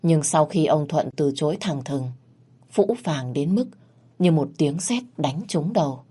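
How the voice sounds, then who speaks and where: A woman reading a scripted narration of a ghost story in a steady, measured way. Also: low voice, breathy edge.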